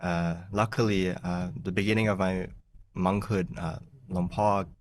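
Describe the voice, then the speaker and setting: A young man, a monk who grew up in the United States, giving an easygoing meditation talk on a video call, often laughing and clearing his throat. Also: deep voice, fairly even intonation, measured pace, no echo, studio quality, recorded from a distance. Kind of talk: relaxed teaching talk over a video call. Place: small plain room indoors. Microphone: large desk mic in front of him.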